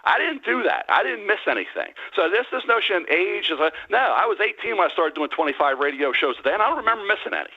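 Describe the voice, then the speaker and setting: A man in his sixties calling into a sports radio show over a landline phone, giving blunt, emphatic opinions in quick bursts. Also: high-pitched, sing-song, husky. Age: 60s. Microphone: landline telephone. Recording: dull lo-fi phone line.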